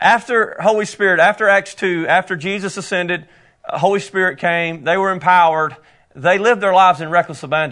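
Over a quiet background, a man with a slight Southern US accent speaks in a high pitch with a bright, sharp tone and ordinary pitch variation. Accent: Southern US, slight country. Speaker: Bible teacher. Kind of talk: Bible lesson. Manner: casual, enthusiastic.

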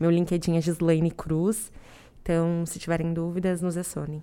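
A woman's dark, mellow voice moves at a fairly quick pace. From interior of São Paulo state, Brazil. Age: 20s. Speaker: corporate trainee. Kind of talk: casual interview chat.

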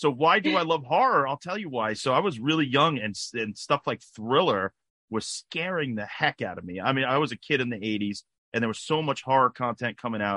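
In a New York accent, a man speaks at a medium pitch and a fairly quick pace with lively intonation and a bright, sharp tone, the sound dry and close with no echo over a quiet background. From Brooklyn and Long Island, New York. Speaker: musician and film producer. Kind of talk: casual chat. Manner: halting.

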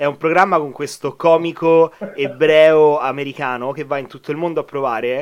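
A man with a normal speaking voice speaks at a fairly quick pace and a fairly high pitch. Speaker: bodybuilding coach. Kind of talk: casual chat.

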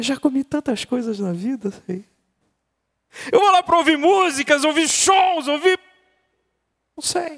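A man's voice sits at an extremely high pitch and swings very widely. He speaks at a fairly slow pace with long, frequent pauses. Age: 50s. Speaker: pastor. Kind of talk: sermon.

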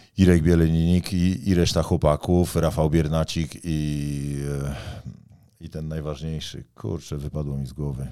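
A man's very deep, low voice with a dark, mellow tone, big swings in loudness, fairly even intonation and a moderate pace. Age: 40s. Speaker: strongman athlete. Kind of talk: casual chat.

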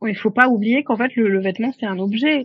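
A woman talks in a somewhat breathy voice with a fairly high pitch. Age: 30s. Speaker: fashion stylist. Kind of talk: casual interview chat.

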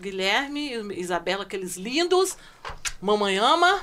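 A woman speaks at a medium pitch with lively intonation and a fairly slow pace. She has an unremarkable speaking voice. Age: 50s. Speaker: church women's leader and Sunday school teacher. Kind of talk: casual chat.

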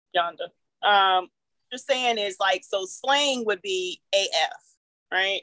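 Speaking very slowly with long, frequent pauses, a woman uses a medium-pitched voice with a bright, sharp tone, recorded with a dry, close sound and no echo. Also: ordinary pitch variation. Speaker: podcast host. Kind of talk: casual chat.

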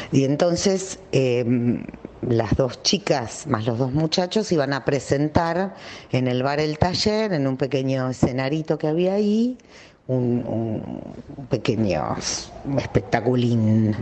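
Very deep and low for a woman, her voice moves very slowly with lively intonation over noticeable background noise. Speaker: performer. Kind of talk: interview testimony. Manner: halting.

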